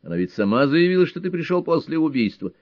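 A man's voice: a little high, sing-song, fast talker, no room sound, lo-fi sound, voice pushed up. A man voicing an older police inspector who talks in a clipped, dry, commanding way. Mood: stern questioning.

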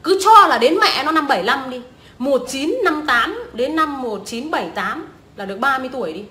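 A woman's voice: sits high, animated, moderate pace, bright, forceful tone. A young woman, ranting scornfully and swearing often as a vlogger. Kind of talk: profane ranting commentary. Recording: echoey room.

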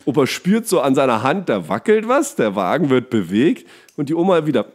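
A man's voice: medium pitch, fairly quick. A man hosting a podcast in casual comic chat, telling anecdotes and acting out little quotes as he goes. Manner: animated storyteller, acts out short quotes. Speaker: podcast host.

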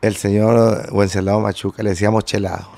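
Brief: male guest musician, gravelly texture, rambling storyteller. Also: lowish voice, flat delivery, brisk, dark tone. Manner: rambling anecdotes with many fillers and restarts. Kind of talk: casual interview storytelling.

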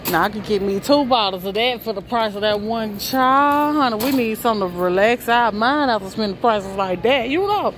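A woman vlogs her trip through a large warehouse store, chatting to viewers and exclaiming over what things cost, in a casual shop-with-me style against noisy store background. Her voice is a little high with lively intonation, and she keeps a moderate pace with hardly any pauses.

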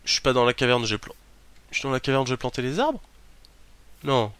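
A man giving chatty gameplay commentary as a let's play host, talking to himself and bursting into startled shouts and curses. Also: mid-range voice, lively intonation, a little fast, clean tone, no echo.

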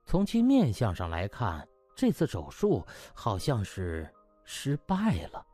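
A man's voice: lowish voice, huge pitch swings, slow, mellow, soft background music. A man narrating a comic novel in a dramatic, theatrical storytelling style. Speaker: audiobook narrator.

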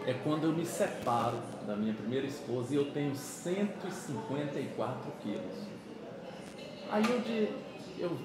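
A man in his fifties from Pernambuco, Brazil, telling stories in a chatty, animated way during an interview, often checking that his listener follows along. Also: mid-range voice, heavy reverb, low-quality recording. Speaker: musician guest. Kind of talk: casual interview. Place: small office meeting room. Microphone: camera across the table.

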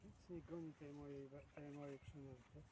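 A man's voice: a little high, steady tone, normal speed. A man, a fishing vlogger, talking casually to himself outdoors in short, rambling fragments. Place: outdoors at a fishing spot, windy. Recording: noisy outdoor recording, far from the mic.

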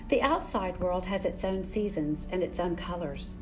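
An older woman hosting a children's story time, speaking in a gentle, deliberate way for young listeners. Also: on the low side, expressive, over music. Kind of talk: children's story time, picture book read-aloud. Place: furnished room in a church building.

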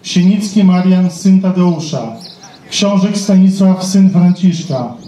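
A man's voice: high-pitched, slow, warm tone. A man acting as master of ceremonies, formally reading out scripted announcements and lists of names over an outdoor PA. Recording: echoing outdoor PA, distant, faint noise.

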